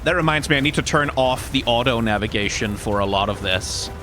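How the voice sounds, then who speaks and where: A man's voice: mid-range voice, brisk, music in the background. A man giving casual let's-play commentary as he plays. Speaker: gaming video host.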